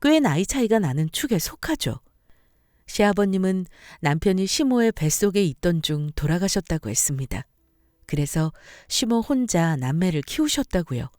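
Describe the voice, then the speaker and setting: A young woman narrating a personal story in a confiding, expressive way. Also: fairly low pitch, normal speed, no room sound, clean studio sound.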